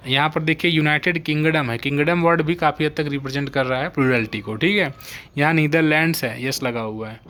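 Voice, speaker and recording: A man's voice: fairly high pitch, a little fast, pushed and bright, a little hiss or hum. Man teaching English grammar. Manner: explains step by step, keeps checking "ठीक है?". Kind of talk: live online exam-prep lesson.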